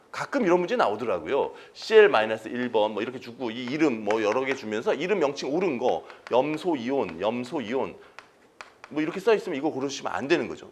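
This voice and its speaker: A man giving an exam-prep chemistry lecture, asking students questions and answering them himself, repeating key terms. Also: a little high.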